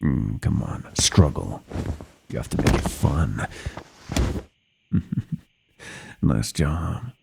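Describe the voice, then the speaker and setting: A man voicing an ancient, sadistic monster under the bed in a horror ASMR roleplay, gravelly and often whispering, with a slow, taunting, teasing manner. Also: a bass voice, animated, very noisy, heavily acted. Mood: playful, gloating. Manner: slow, taunting, teasing, savoring each word. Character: centuries-old monster under the bed, sadistic, playful, menacing.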